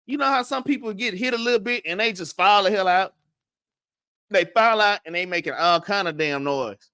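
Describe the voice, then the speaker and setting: A man's voice: high-pitched, normal speed, sharp tone, smooth, no room sound, clean studio sound. A man with a Southern US accent teaching a casual Bible class, stuttering and restarting often and tagging "man" and "all right?" onto his lines. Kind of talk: casual scripture lesson.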